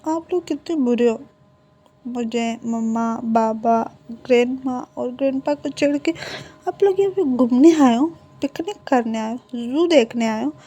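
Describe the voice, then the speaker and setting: A pampered little girl whines and pouts in a higher, sing-song voice, as a woman storyteller puts her on. The voice sits on the high side but stays mellow and soft, with a hoarse edge from a sore throat. It sounds like a girl sulking in a read-aloud fan story. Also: a little slow. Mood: sulky pouting. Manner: whining, pouting pleas.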